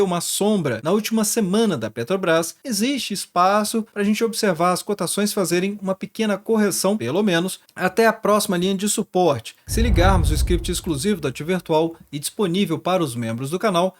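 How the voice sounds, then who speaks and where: A Brazilian man with a high-pitched voice hosts a finance channel. He explains market figures and charts in a steady, explanatory way. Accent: Brazilian Portuguese. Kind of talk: stock market analysis commentary.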